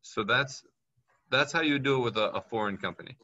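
An American man from Miami, hosting a video call consultation and explaining tax rules casually with quick asides. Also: medium pitch, sharp tone, dull audio. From United States. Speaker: tax advisor host.

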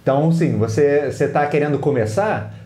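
A man's voice: on the high side, a little fast, dark tone, echoey room. A man with a Brazilian Portuguese accent, a teacher giving tips as a guest in a podcast interview, who acts out what students think. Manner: explanatory, acts out students' inner voices.

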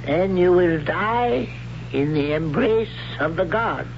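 A man's voice: high-pitched, lively intonation, takes it slowly, gravelly, a little hiss or hum, heavily acted. A ranting zealot tribal father. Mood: stern. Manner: shouting, commanding, pronouncing rules. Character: stern zealous tribal father, male elder. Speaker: actor. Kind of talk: 1970s radio drama acting. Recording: dull old radio broadcast.

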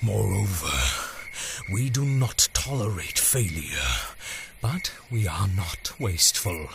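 A man playing the cruel, pompous master of a dark carnival in an audio drama, speaking in grandiloquent commands. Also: lowish voice, expressive, slow pace, creaky, a little hiss or hum, heavily acted. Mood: cold contempt.

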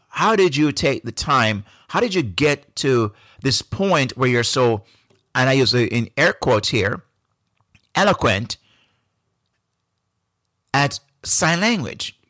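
A man with a Jamaican accent talks through his thoughts on his own podcast, unhurried and reflective, often restarting his sentences. His pitch sits in a middling range, and the recording is close and dry with no room sound. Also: sharp tone, dry recording. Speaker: podcast host. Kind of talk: solo podcast monologue.

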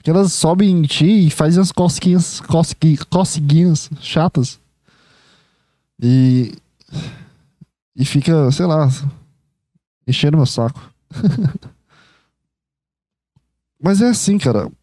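A young man, hosting a podcast in a rambling casual monologue, excitable and swearing freely as he speaks straight to the listener. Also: on the high side, takes it slowly, pauses often, dry recording, studio quality. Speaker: podcast host.

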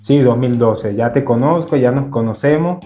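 Venezuelan male guest, mellow, lively storyteller, echoey lo-fi call. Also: medium pitch, normal speed, faint music behind. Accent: Venezuelan with some Mexican. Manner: lively storyteller, acts out quotes, laughs. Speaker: podcast guest. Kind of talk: casual podcast conversation. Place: at home in Mexico. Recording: dull, roomy remote call audio.

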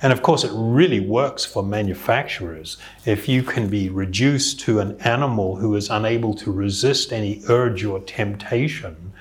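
A man's voice: fairly low pitch, normal speed, few pauses. A man who teaches yoga, giving an earnest, reflective spiritual talk and chuckling now and then.

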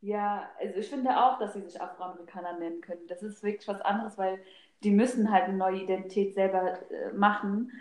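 A woman's voice: mid-range voice, steady tone, a little fast, a little mellow, echoey room. A woman in a casual group discussion, explaining her opinions and slipping in English loanwords. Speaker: discussion participant.

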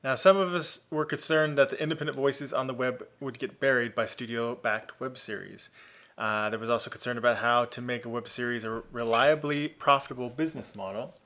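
A man's voice: mid-range voice, fairly even intonation, fairly quick, a bit bright. A man co-hosting a podcast, talking casually and laughing easily at himself. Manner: chatty, self-deprecating, laughs easily. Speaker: podcast co-host.

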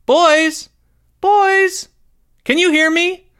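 A man voicing a cheerful, oblivious suburban mother in a loud, clear falsetto for a story. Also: steady tone, very slow, exaggerated voice. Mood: calling out. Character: cheerful, oblivious middle-aged suburban mom.

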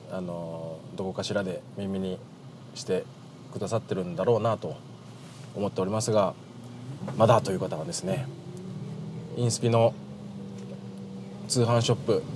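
A man from Shizuoka, Japan, hosting a casual solo podcast in very polite Japanese, softened with chatty fillers. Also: fairly low pitch. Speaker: podcast host, greengrocer. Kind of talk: casual solo radio-style chat. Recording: noisy, with car and outdoor street sounds.

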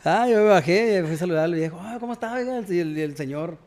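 A man's voice: high voice, expressive, quick pace, darkish tone. A man, a guest musician, casually telling stories in a slangy way and acting out both sides of the conversations. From Culiacán, Sinaloa, Mexico. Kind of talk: casual storytelling chat.

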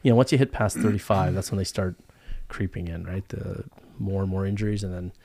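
Male podcast host, 40s, lowish voice, casual and self-deprecating, rambling delivery, close dry studio. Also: steady tone, fairly quick, vocal fry, darkish tone, no room sound.

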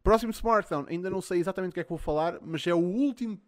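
A man's voice: sits high, fast talker. A man with a European Portuguese accent hosting a livestream in a casual, sweary chat style. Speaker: livestream host.

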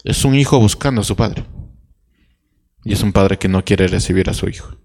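A man's voice: lowish voice, normal speed, a little mellow, long reverb tail. A man preaching a sermon, telling a Bible story with restarts and rhetorical questions.

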